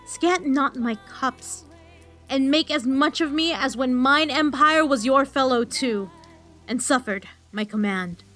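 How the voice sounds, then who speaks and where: A woman's voice: high voice, measured pace, fairly bright tone, soft background music. A woman acting a weary, honour-bound military leader in a Shakespearean audio drama, with stately, declamatory delivery. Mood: solemn, wistful.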